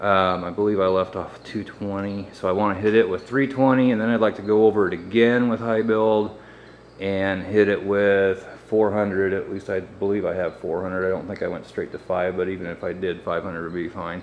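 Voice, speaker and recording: A normal speaking voice at a moderate pace, with fairly even intonation and light background noise. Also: man, fairly low pitch for a man. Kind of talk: casual vlog chat. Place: garage. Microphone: phone near.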